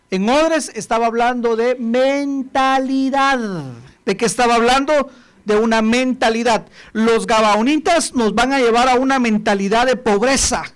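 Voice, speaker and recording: Woman preacher, sermon, rhetorical questions, direct address to the congregation. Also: a little high. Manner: calls the listeners brother, asks and answers questions.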